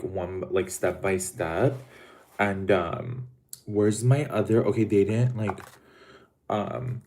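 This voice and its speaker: A man hosts a casual livestream and chats to viewers in a camp, dramatic way, stretching out his words. He talks slowly in a lowish voice. Now and then he pauses to eat. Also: darkish tone. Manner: eating while talking. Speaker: livestream host.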